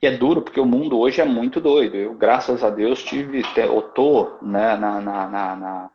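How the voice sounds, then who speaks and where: A man's voice: mid-range voice, moderate pace, slight background noise. A Brazilian man in his forties chatting on a live video call, telling stories in a reflective way. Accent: Brazilian Portuguese. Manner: reflective storytelling, many tag questions. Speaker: host. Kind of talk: casual live-stream chat. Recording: dull lo-fi live-stream audio.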